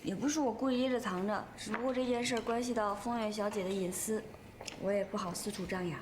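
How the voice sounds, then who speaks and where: A woman's voice: mid-range voice, fairly even intonation, fast, background noise, lightly acted. An actress playing a naive, good-natured young office girl who talks earnestly and gets flustered. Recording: TV drama soundtrack with clear music.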